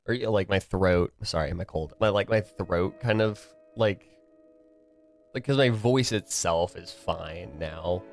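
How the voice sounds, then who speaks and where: A young man streams solo, rambling casually with lots of fillers and frequent restarts, his voice a bit stuffy and nasal from a cold and tired from the morning. He speaks low and a little slowly. The recording is dry, with faint music behind him.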